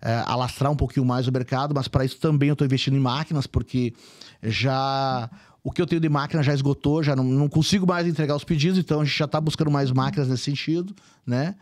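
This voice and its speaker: A man's voice: medium pitch, fairly even intonation, fast, a little mellow. A man in his forties from southern Brazil, with a faint gaúcho accent mixed with São Paulo traces, speaking as a guest in a casual interview with many restarts and tag questions. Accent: mixed Brazilian Portuguese, gaúcho with São Paulo traces. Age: 40s. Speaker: company CEO, podcast guest.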